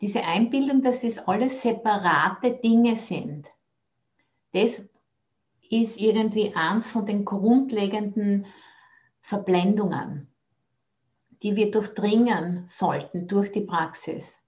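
In a slow, darkish, mid-range voice, an Austrian woman offers a Buddhist dharma talk via video call, with lo-fi sound. As a nun teacher, she is thoughtful, searches for her words, and weaves in English expressions.

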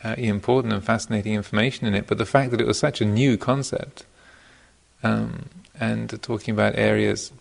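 A man giving an informal dharma talk as a meditation teacher, speaking thoughtfully and hesitantly, often pausing mid-phrase, in a gravelly voice. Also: on the low side, steady tone. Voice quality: gravelly, creaky voice. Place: meditation retreat center.

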